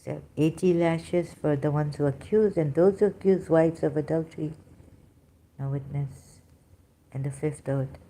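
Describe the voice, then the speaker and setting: Low, mellow-voiced woman speaking haltingly. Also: fairly even intonation. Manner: halting, searches aloud for words, many fillers and restarts. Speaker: vlogger. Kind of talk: unscripted personal monologue.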